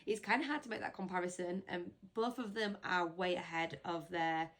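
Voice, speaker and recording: A woman's voice: on the low side, fairly even intonation, normal speed. A woman chatting casually as a parent vlogger answering viewer questions, teasing and laughing easily. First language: English. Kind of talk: casual chat.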